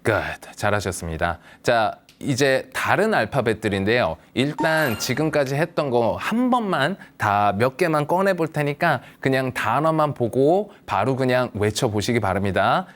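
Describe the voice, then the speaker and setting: A man teaching a patient English lesson, speaking slowly and encouragingly. His pitch rises and falls a lot as he models words for the viewer to repeat. He keeps reassuring his learners. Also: sing-song, fairly bright tone. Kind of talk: slow, patient language lesson for seniors.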